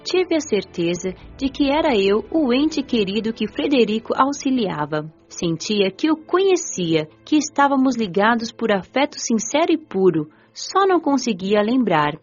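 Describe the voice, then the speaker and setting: A woman narrating an audiobook in the first person, telling the story gently. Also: fairly high pitch, big pitch swings, normal speed, few pauses, muffled recording, faint music behind.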